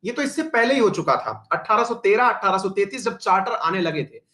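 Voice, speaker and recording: A man's voice: high-pitched, lively intonation, brisk, bright, forceful tone. A man teaching a history class online, chatty, putting questions to his students and drifting into side remarks, with English terms mixed into his talk. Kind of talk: online exam-prep class.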